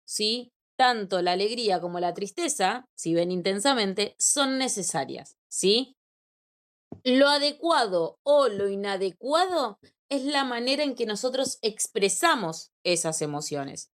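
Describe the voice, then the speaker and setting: A young female teacher with an Argentine Spanish accent gives an informal, conversational class lecture, frequently checking in with quick rhetorical questions. Her voice is mid-range and expressive.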